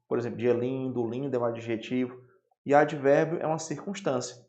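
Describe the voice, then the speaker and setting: A man's voice: medium pitch, brisk. A man with a Brazilian Portuguese accent works through exam questions at a whiteboard, tagging his points with "tá?" and "né?". His voice sits in the middle range. The room gives it a roomy echo. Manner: lively explaining, frequent "tá?" and "né?" checks. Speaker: Portuguese teacher. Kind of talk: exam-prep lesson, solving questions.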